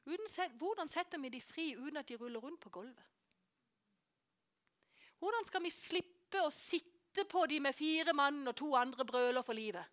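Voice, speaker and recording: A woman preaching a sermon, telling a story with animation and dropping to hushed whispers for emphasis. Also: high-pitched, expressive. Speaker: preacher and course teacher.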